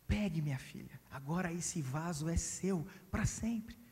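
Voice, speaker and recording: Brazilian man as a gentle fatherly king, soft and whispery, echoing hall. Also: on the high side, voice pushed down, lightly acted. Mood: tender. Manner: soft, slow, dropping to a whisper. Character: gentle loving old king, fatherly and tender. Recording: reverberant church hall.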